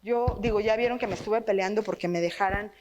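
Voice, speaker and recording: Lively Mexican woman leading a workshop. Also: mid-range voice, fast talker, background noise. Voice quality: trained, well-projected voice. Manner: lively, tags phrases with questions to the audience. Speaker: workshop leader for teachers. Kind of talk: teaching workshop on reading aloud. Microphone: microphone.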